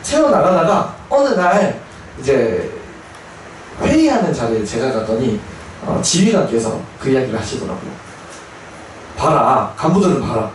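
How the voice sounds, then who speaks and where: A man, a Buddhist chaplain monk, telling a story in a dharma talk with animated delivery and acted-out voices. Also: mid-range voice, normal speed, a little hiss or hum. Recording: echoey hall, voice from far off.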